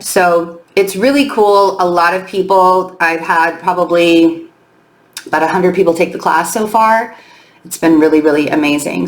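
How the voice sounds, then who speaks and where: A woman giving a chatty weekly astrology and tarot update, her voice slightly hoarse as she loses it, with frequent ums. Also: on the low side, echoey room. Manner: chatty, with many ums and loose restarts.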